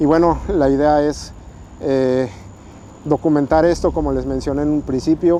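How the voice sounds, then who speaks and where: Long, frequent pauses at a fairly slow pace. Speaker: documentary host. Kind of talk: casual talk to camera.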